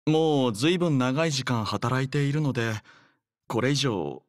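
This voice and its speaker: A male voice actor playing a composed, dutiful young android squad leader in an anime game, speaking politely and formally with measured, gentle care. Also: mid-range voice, expressive, no echo, clean studio sound, natural voice. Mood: gently concerned. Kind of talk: anime game character voice lines.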